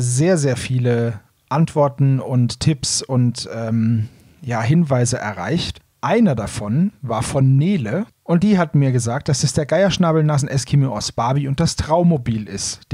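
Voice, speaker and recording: A man's voice: medium pitch, a little mellow, slightly rough, dry recording, clean studio sound. A man, talking casually as the host of a podcast.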